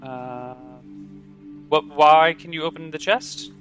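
Bright-voiced American man running a game. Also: on the high side, slow, soft background music. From United States. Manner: relaxed, chatty, thinks aloud with ums. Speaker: game master. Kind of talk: livestreamed tabletop game chat.

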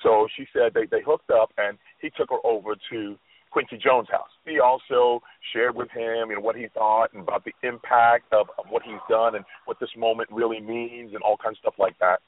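A man's voice: mid-range voice, fairly even intonation, normal speed, no room sound. A man co-hosting a radio talk show, telling a story and reflecting on it earnestly, with frequent restarts. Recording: tinny phone line.

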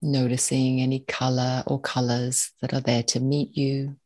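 A meditation guide giving slow, soothing spoken instructions in short, spaced phrases with a calm manner. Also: mid-range voice.

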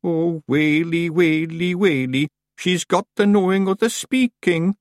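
A man voicing a tiny, rowdy blue Scottish warrior with broad excitable dialect, in an audiobook story. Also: sits high, moderate pace, no room sound, clean studio sound, voice pushed up. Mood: nervous, deferential.

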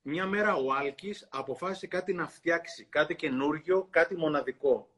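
Husky-voiced man reading a story aloud. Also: fairly high pitch. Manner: expressive, storytelling. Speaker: host. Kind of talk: reading a children's book aloud with commentary.

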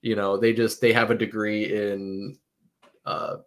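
Brief: male co-host, low voice, rambling casual sports talk, swears freely. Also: little pitch movement, unhurried. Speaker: podcast co-host.

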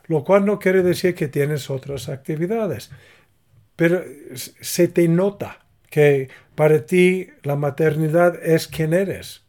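A middle-aged man talks in an unhurried, measured way, laying out his points one by one. His voice sits a little high for a man. He sounds like a co-host giving advice in a relaxed conversation. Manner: calm, explanatory, acts out little example dialogues. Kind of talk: casual conversation.

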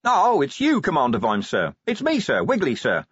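A man's voice: a little high, huge pitch swings, moderate pace, breathy edge, no echo, highs cut off, pitched above the performer's own voice, full character voice. A man voicing a nervous, deferential university porter with a furtive, obsequious manner in an audiobook. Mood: furtive, startled. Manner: hushed-conspiratorial, obsequious, repeats "sir".

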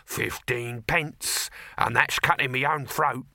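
A man's voice: medium pitch, slow pace, vocal fry, pushed and bright, no room sound, studio quality, exaggerated voice. A man voicing a cheerful, conspiratorial sausage hawker in a storybook, with colloquial, wheedling sales patter.

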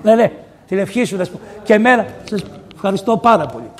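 In a diocesan amphitheater, a priest with a high voice preaches a lively sermon built around a story. He acts out its dialogue, breaking into sudden loud outbursts.

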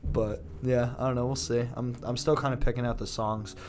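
A young man chatting as a guest on a podcast, loose and profane. He fills his talk with "like" and breaks into laughs often. His voice sits at an ordinary middle pitch. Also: level tone, a little fast, darkish tone, a little hiss or hum. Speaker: podcast guest, metal band vocalist. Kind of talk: casual chat.

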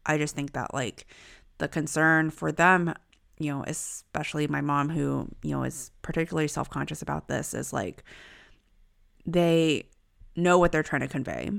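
Young woman, podcast co-host, reflective storytelling, low gravelly voice, clear. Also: moderate pace. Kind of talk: casual conversation.

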